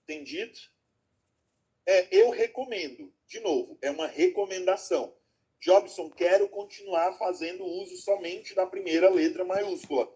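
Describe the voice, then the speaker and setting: On a video call, a man with a high, slightly rough voice and a dark tone teaches at a moderate pace. He explains step by step, checks in with students often, and affectionately refers to them as "my loves."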